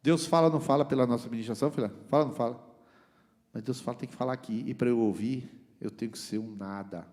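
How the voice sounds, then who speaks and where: A male pastor delivers a sermon, his voice sitting at an ordinary middle pitch when calm. He jumps between loud, high-pitched exclamations and hushed, low asides, throwing rhetorical questions at the congregation. A long reverb from the church hall trails after every phrase. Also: fast.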